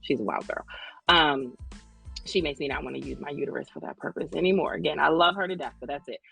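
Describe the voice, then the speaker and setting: A Maryland woman in her thirties co-hosts a podcast and works as a lactation consultant, telling stories casually with slang and jokes in an African American English accent. Her low voice is fast, gravelly, husky and fairly bright, over soft background music in a low-quality recording.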